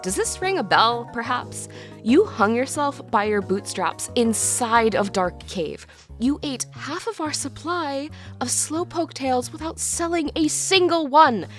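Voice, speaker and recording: A woman's voice: high-pitched, animated, a little slow, soft background music. A woman voicing a bossy, condescending female crime-syndicate grunt in a fan parody cartoon, with cutting delivery. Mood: mocking.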